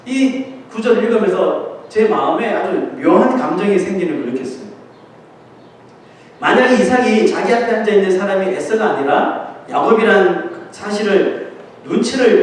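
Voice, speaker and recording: Man preaching, high voice, lively storytelling, big echoey church, distant mic. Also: slight background noise. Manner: animated storytelling, acting out quoted voices with laughs. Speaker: pastor. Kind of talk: sermon. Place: church sanctuary.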